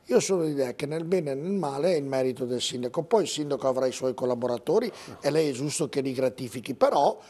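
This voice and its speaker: A male TV host with a Veneto Italian accent leads a studio interview. He speaks at a middle pitch in a chatty way. He cuts in politely and likes to tease his guest. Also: lively intonation, quick pace, few pauses, dark tone. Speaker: TV talk show host.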